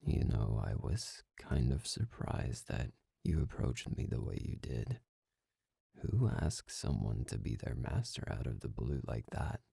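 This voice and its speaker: A man performing an arrogant, cold master in an ASMR roleplay. His voice is extremely low and heavily creaky, with a breathy edge that slips into whispers. He speaks slowly and condescendingly, as if every word were a command. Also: dark tone, no echo, clean studio sound, heavily acted. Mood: smug, condescending. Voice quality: breathy, gravelly, often dropping into whisper. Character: arrogant, domineering young male master, cold and mocking. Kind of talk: intimate ASMR roleplay monologue.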